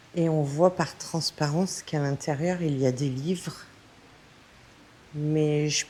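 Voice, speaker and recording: A woman at a very slow pace, very deep, low pitch and dark, mellow tone, with long, frequent pauses. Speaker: travel vlogger. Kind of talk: travel vlog narration. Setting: outdoors at a temple. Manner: hesitant, many fillers; soft-spoken.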